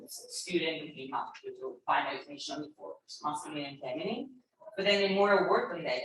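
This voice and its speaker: A woman's voice: low voice, fairly bright tone. A young adult woman who is a native Italian speaker, introducing herself on a panel in a thoughtful, hesitant way with fillers. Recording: echoey distant room mic, faint noise.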